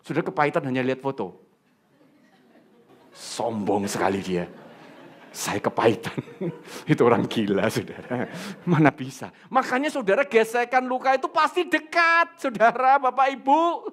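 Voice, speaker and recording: A man preaching in a church with a fairly high, highly animated voice that swings up and down. He asks the congregation questions and drops jokes as he goes. He talks to the room in a lively sermon style. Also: a little fast. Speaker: pastor.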